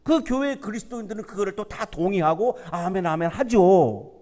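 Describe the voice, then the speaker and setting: Guy pastor giving a sermon, kinda high voice, gets really animated, lots of church echo. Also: normal speed. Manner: animated preaching, acts out quoted voices; asks the congregation rhetorical questions. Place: university church sanctuary. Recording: long church hall reverb.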